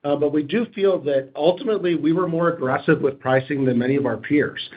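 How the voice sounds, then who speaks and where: A man speaking as a company executive on an earnings call, in measured corporate phrasing. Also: fairly high pitch. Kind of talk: prepared remarks and corporate question answering. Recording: dull, lo-fi conference call audio.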